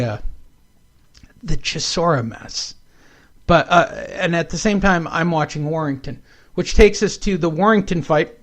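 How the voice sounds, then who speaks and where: A man talks with a slightly higher voice, hosting a casual show in a rambling, wisecracking way. He drifts from topic to topic and throws in jokes along the way. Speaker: podcast host. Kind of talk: casual chat.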